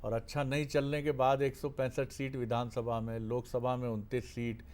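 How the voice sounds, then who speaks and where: A man's voice: mid-range voice, level tone, normal speed, darkish tone. A man hosting a televised political debate, asking polite formal questions and murmuring assent. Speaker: TV debate host.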